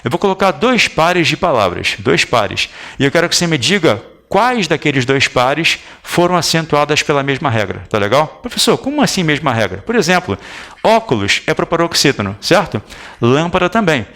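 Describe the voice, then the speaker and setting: Brazilian guy teaching grammar, really lively up and down voice, keeps asking if you got it. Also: fairly high pitch, normal speed. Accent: Brazilian Portuguese. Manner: lively, chatty, coaxing questions to students. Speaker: Portuguese grammar teacher for exam prep. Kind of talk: recorded video lesson at a whiteboard.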